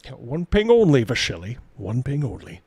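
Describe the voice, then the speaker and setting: A man's voice: mid-range voice, big pitch swings, moderate pace, a little mellow, slightly rough, no echo. A man hosting a casual live commentary, reading out viewer comments in a blunt, mocking, sweary way. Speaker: host of a livestream reacting to a video.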